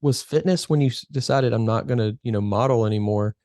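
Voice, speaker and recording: A man's voice: medium pitch, brisk, darkish tone, no echo, clean studio sound. A man hosting a casual interview podcast, rambling a little as he rephrases his questions.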